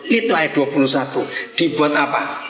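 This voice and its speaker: Animated older male preacher, echoey hall. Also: moderate pace, faint music behind. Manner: animated, joking, swings between loud bursts and low asides. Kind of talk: lively sermon.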